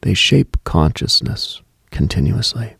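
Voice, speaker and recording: A man hosting a late-night mystical radio show, delivering a scripted monologue in a hushed, contemplative, brooding manner. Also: deep voice, lively intonation, unhurried, vocal fry, husky, no room sound, studio quality.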